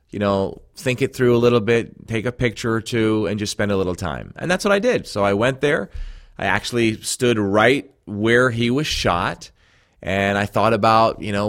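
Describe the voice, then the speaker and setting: A man from Jamaica, speaking without an accent, earnestly talking listeners through a recorded self-help program as a coach. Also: fairly low pitch. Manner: earnest, conversational, addresses listeners as friends.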